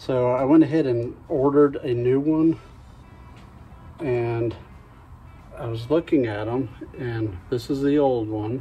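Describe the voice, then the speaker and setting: With light background noise, a man talks at a fairly slow pace. His voice is somewhat breathy. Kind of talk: tutorial. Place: garage. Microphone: phone near.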